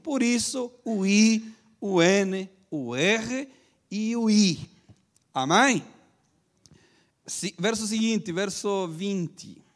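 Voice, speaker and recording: A man with a high-pitched voice preaches a sermon as a pastor. He teaches step by step, keeps checking in with his listeners through quick tag questions, and leads them in repeating after him.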